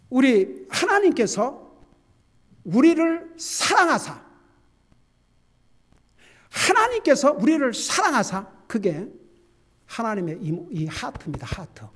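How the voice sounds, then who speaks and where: Lively older Korean-speaking pastor preaching. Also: male voice, very high voice. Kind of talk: sermon. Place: church sanctuary.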